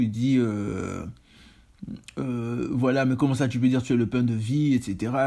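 A man's dark, mellow voice at medium pitch, very slow in pace and fairly even in intonation. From Ivory Coast. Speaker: preacher. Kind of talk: sermon. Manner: halting.

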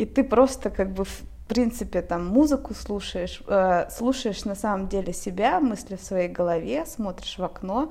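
A woman with a dark, mellow tone speaks at a moderate pace with lively intonation. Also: medium pitch for a woman. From Russia, Saint Petersburg. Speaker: graphic designer and teacher. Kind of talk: casual chat.

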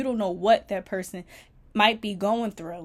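A fairly high-pitched woman with ordinary pitch variation at a moderate pace, on a very clean recording with a silent background. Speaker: solo podcast host. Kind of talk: casual monologue.

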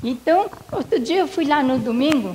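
A woman speaks at a moderate pace with very wide pitch swings. There is noticeable background noise. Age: 80s+. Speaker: church member. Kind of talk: testimony. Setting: church Sunday school with audience.

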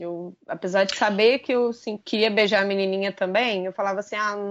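A woman with an unremarkable speaking voice, medium pitch and ordinary pitch variation. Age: 30s. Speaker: IT worker and podcaster. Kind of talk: casual interview chat.

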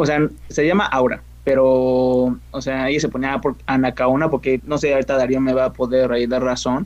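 The man speaks in a monotone at a medium pitch, with flat intonation. His pace is moderate and his loudness very even. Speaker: podcast co-host. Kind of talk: casual chat.

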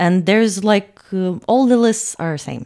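With a Ukrainian accent, a woman talks at a very slow pace with lively intonation. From Ukraine, Kyiv. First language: Ukrainian or Russian. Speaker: political scientist and volunteer activist. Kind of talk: casual interview.

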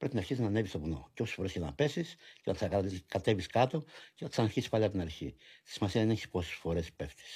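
A man speaks very fast in a fairly low, dark and mellow voice with a somewhat breathy edge, on a very clean recording with a silent background. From Greece, Athens area (Egaleo). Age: 50s. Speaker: founder of a social kitchen for the homeless. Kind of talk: casual interview.

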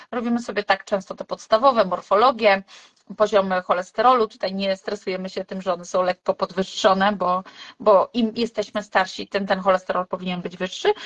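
At a fairly quick pace, a woman with an unremarkable speaking voice talks at a medium pitch with fairly even intonation. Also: dry, close sound with no echo. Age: 40s. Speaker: clinical dietitian. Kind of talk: casual chat.

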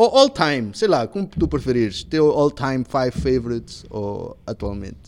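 With a medium pitch, a man talks through very wide pitch swings. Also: moderate pace, hardly any pauses. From Mozambique. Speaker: podcast host. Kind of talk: casual chat.

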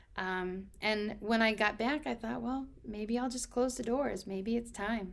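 The speaker has an unremarkable speaking voice and an American accent. Pace is moderate, with ordinary pitch variation. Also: woman. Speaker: art instructor. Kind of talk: interview conversation.

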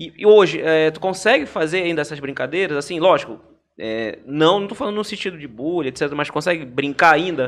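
A man speaks fairly quickly in a fairly high pitch, with ordinary pitch variation and big swings in loudness. It is a normal speaking voice. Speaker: podcast host. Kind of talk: casual chat.

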